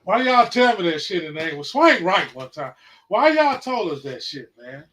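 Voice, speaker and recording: A man in his forties hosting a casual livestream podcast, mixing loud, repetitive outbursts with profane, slangy sermon-like talk. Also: sits high, big pitch swings, normal speed. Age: 40s. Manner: profane, slangy, calls out viewers. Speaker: podcast host. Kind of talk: casual preaching and chat. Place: livestream, home setup.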